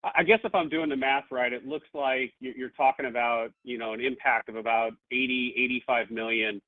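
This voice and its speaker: A man's voice: mid-range voice, steady tone, brisk. A man calling in as a financial analyst, asking a question tentatively and thinking aloud. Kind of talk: spontaneous question on an earnings call. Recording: narrow tinny phone line.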